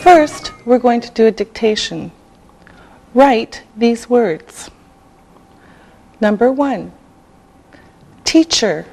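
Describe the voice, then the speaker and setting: A middle-aged woman from Canada teaching English in a scripted lesson, pronouncing every word slowly and carefully. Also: on the high side, expressive, gravelly, darkish tone. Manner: slow, carefully enunciated.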